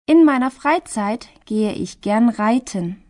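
A woman playing a sixteen-year-old German girl in a scripted language listening exercise, articulating carefully and deliberately. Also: on the high side, animated, a little mellow. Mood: plain, measured.

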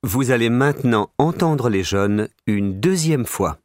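A man reading listening-exam instructions in a formal, clear manner. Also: medium pitch, expressive, darkish tone, no room sound, studio quality. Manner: formal, slow, clear announcing. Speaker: exam narrator.

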